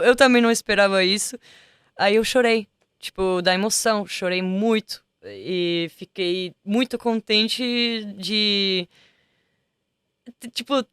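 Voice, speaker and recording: Guest singer, woman, smooth voice, dry close studio sound, chatty and word-searching. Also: medium pitch, dry recording. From Italy. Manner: chatty, searches for words with many restarts. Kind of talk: casual interview chat. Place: music studio.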